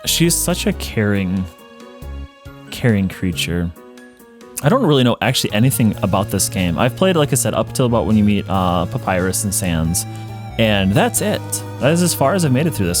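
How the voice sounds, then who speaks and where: A man's voice: on the low side, big pitch swings, a little fast. A man hosting a let's play, giving casual, chatty commentary as he plays. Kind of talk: casual gameplay commentary with read-along. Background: game music.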